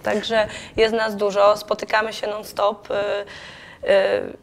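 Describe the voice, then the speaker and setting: A woman's voice: mid-range voice, completely flat delivery, slow, creaky, crowd noise. A young woman in her twenties, a guest in a TV studio, chatting casually about trips. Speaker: guest, student trip organizer.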